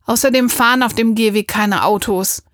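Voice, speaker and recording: A woman's voice: a little high, normal speed, fairly bright tone, no room sound, studio quality, close to an everyday voice. A woman voicing a cheeky nine-year-old girl in a storybook reading, chatty and bargaining. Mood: indignant.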